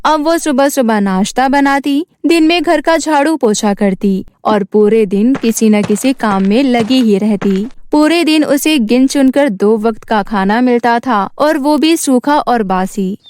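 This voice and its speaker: High-voiced woman narrating a story. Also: unhurried, few pauses, darkish tone. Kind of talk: scripted narration of a children's moral story.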